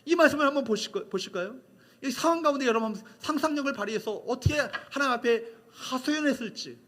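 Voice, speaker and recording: A man's voice: very high voice, fast, fairly bright tone. A male pastor preaching a sermon, emphatic and repetitive, asking the congregation questions.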